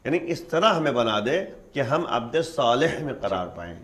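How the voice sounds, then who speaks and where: A man's voice: mid-range voice, very animated, fairly bright tone. Male religious scholar; patient, step-by-step explainer. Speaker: Islamic scholar. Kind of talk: religious teaching in conversation.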